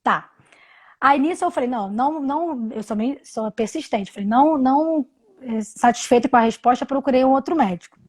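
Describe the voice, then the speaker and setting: A woman in her thirties telling a personal story on a live video call, halting, with many restarts and repeated words. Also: on the high side. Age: 30s. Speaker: interview guest. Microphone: video call from home.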